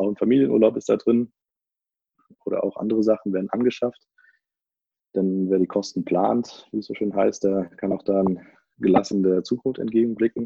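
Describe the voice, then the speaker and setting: A man's fairly low voice with fairly even intonation, a moderate pace and long, frequent pauses. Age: 20s. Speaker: finance content creator and employee. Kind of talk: interview.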